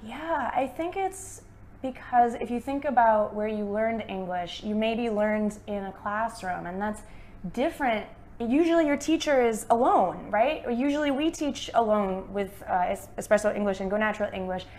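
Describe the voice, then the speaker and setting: A woman's voice: on the high side, moderate pace, a little mellow. A young American woman, an English teacher, chatting upbeat and casually in a conversation lesson. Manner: upbeat, chatty, many fillers.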